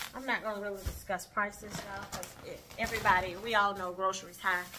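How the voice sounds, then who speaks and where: A woman talks at a moderate pace with a medium pitch. Noticeable background noise is present throughout. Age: 40s. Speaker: lifestyle vlogger. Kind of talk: grocery haul vlog, casual monologue. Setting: at home. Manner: casual, chatty. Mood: warm, chatty. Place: kitchen. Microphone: phone near.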